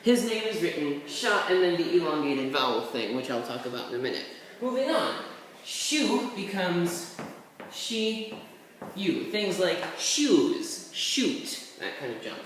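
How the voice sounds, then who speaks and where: Speaking slightly slowly with a very animated, fairly bright medium-pitched voice, the language tutor rambles through a relaxed lesson on writing characters, adding offhand remarks. The mic is far away, the room very echoey, and a faint hiss sits underneath.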